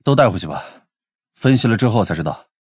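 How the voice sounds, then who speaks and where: A man's voice: on the low side, animated, fast talker, husky, no room sound, clean studio sound. A man playing a cool, blunt police detective in his twenties in an audiobook drama, terse and assured. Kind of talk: Mandarin audiobook drama acting.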